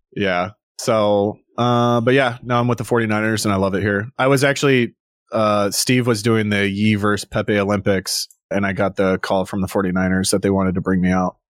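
Using an ordinary speaking voice, a man with fairly low pitch talks at a moderate pace with very even loudness, in a dry, close sound with no echo. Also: fairly even intonation. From US Midwest. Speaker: NFL long snapper. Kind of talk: casual chat. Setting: video call.

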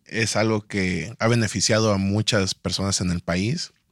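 Delivered at a fairly slow pace with a Mexican accent, the speech is dry and close with no echo on a very clean recording against a silent background. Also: man. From Mexico. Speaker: Olympic wrestler. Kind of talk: casual interview.

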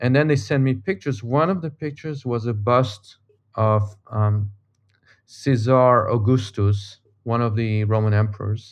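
Against a quiet background, a man with a French accent speaks at a fairly slow pace with ordinary pitch variation. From Belgium. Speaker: portrait painter. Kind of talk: interview.

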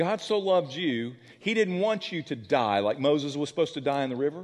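This man talks at a fairly quick pace with lively intonation and a fairly high pitch. He has an ordinary speaking voice. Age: 50s. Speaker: pastor. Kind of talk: sermon. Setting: church with congregation.

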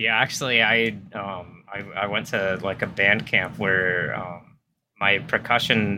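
This man has an ordinary speaking voice with an American accent and a fairly low pitch. He speaks at a moderate pace with ordinary pitch variation. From New York City. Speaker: podcast co-host, engineering PhD student. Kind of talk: podcast interview.

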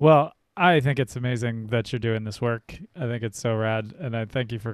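This is an ordinary speaking voice with an American accent and ordinary pitch variation. The recording is very clean, with a silent background. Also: man. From Ohio. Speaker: podcast host. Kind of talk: casual chat.

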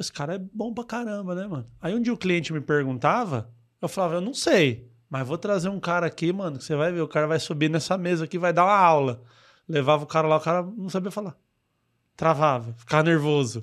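A man's high-pitched voice, fairly quick and lively in intonation, on a very clean recording with a silent background. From Mauá, greater São Paulo, Brazil. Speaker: neuroscience and communication specialist. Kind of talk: casual interview chat. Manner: animated, slangy.

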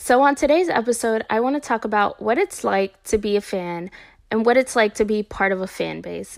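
A woman talks in a normal speaking voice. Her pace is moderate, with ordinary pitch variation. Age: 20s. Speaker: podcast host. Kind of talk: casual podcast monologue.

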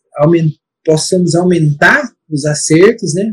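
A man at high pitch and a fairly slow pace, in a dry, close sound with no echo. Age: 40s. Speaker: dental lab technician and trainer. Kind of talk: casual chat.

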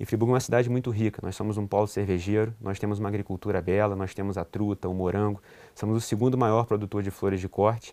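A man talks at a very fast pace in a fairly low pitch, with a dark, mellow tone. His intonation is monotone and flat, and the background is quiet. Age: 30s. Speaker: mayoral candidate and physician. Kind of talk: political interview.

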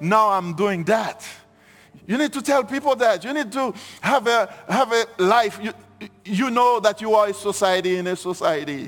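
Speaking at a moderate pace with a Haitian accent, a man uses a high pitch and ordinary pitch variation. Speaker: pastor. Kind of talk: sermon. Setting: church. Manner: halting, repeats words.

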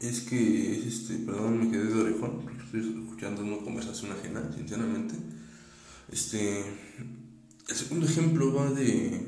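In a Mexican accent, a man speaks at a moderate pace and medium pitch with long, frequent pauses, amid audible room echo and noticeable background noise. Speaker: podcaster. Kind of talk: casual monologue.

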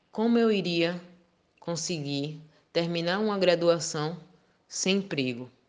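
With ordinary pitch variation, a woman talks at a fairly low pitch. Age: 20s. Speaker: pedagogy student and candomblé initiate. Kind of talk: personal testimony.

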